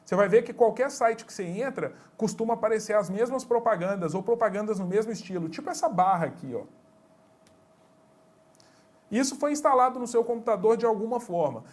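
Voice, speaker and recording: A man, teaching an informal exam-prep lecture in a blunt, slangy way, talking straight to his students. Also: high-pitched.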